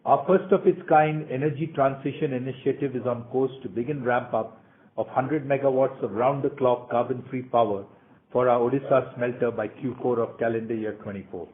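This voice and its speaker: A man's voice: medium pitch, steady tone, a little fast. A man in the role of a company executive, formally reading prepared remarks for an earnings call presentation. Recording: tinny, narrow phone conference line.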